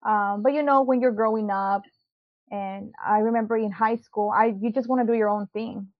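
In a dull lo-fi recording, a young woman from Mexico who grew up in South Texas talks as an interview guest, giving a casual personal testimony. Her medium-pitched voice moves at a moderate pace with fairly even intonation, and she hesitates a lot with ums and likes while laughing readily.

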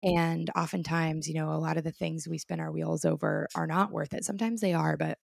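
A woman's voice: deep voice, little pitch movement, a little fast, gravelly, darkish tone, no room sound, clean studio sound. A woman co-hosting a podcast, talking in a supportive, encouraging way. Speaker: podcast co-host. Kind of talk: casual chat.

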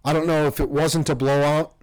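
A man's voice: a little high, little pitch movement, a little fast, a little mellow, no room sound, studio quality. A man co-hosting a podcast, chatting casually about sports in a rambling, self-correcting way. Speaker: podcast co-host.

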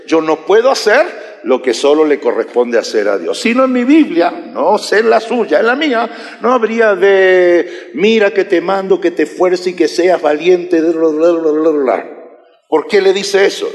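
A man preaching a sermon, animated and joking with his congregation. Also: sits high. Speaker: pastor. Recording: echoey hall reverb.

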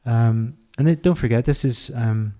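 A middle-aged man with an Irish accent, talking candidly as an interview guest, reflective and halting with many restarts. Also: medium pitch, dark tone.

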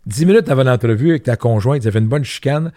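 A man's voice: mid-range voice, fast, warm tone, no echo, clean studio sound. An older man with a Québécois French accent, a guest giving candid interview answers and telling anecdotes with emphatic repetitions.

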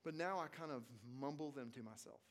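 Casual Southern US male teacher fielding questions, fairly high voice, conversational and halting, big echoing room. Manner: informal, halting, rephrases as he goes. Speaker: preaching teacher leading a question session. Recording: long reverb of a large hall.

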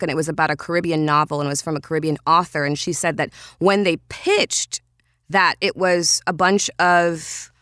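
A woman's voice: fairly low pitch, a bit bright, clean tone, no room sound, studio quality. A woman voice-over artist from Trinidad, speaking earnestly in a casual podcast interview and restarting her sentences as she works through ideas.

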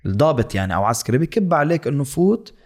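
Young Lebanese man, guest in casual chat, quick talker who mixes English words in. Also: a little high, big pitch swings. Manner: fast, mixes English words into his talk. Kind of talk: casual storytelling.

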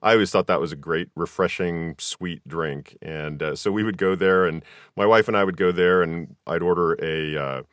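A man's voice: sits low, normal speed, a bit bright, dry recording, studio quality. A middle-aged American man hosting a casual conversational interview. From Southern California, US. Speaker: podcast host.

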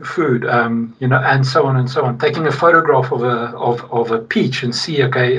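A South African man with a husky voice gives conversational interview answers. He speaks emphatically, repeating his points to drive them home. He sounds set back from the microphone, and the sound is slightly dull. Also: mid-range voice. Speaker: podcast guest, logistics technology executive. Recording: distant, slightly muffled mic.

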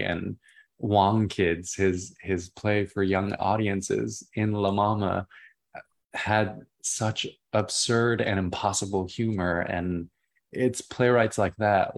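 This is a playwright, a young man whose voice is naturally deep. He responds to interview questions with expansive enthusiasm, wandering off on tangents and repeating words as he goes.

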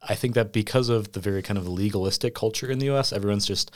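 A man's voice: fairly low pitch, quick pace. A young man who went to school in Iceland, chatting reflectively on a podcast with many "you know" fillers. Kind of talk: casual conversation.

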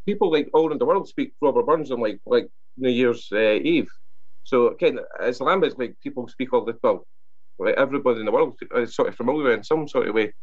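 A young man with a broad Scottish accent talks quickly and casually, stacking up fillers and restarting his sentences. His pitch sits at an ordinary middle height. The sound is dull and lo-fi. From Scotland. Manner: chatty, many fillers and restarts. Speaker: author guest. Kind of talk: casual radio interview.

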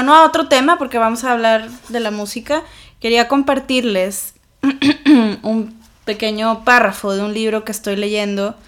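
Chatty woman podcast co-host. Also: on the high side. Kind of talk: casual chat.

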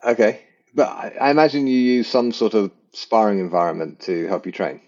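A man hosting a podcast, asking his guest questions in a measured way. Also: on the low side, fairly even intonation, darkish tone, highs cut off. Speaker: podcast host. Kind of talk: interview questions.

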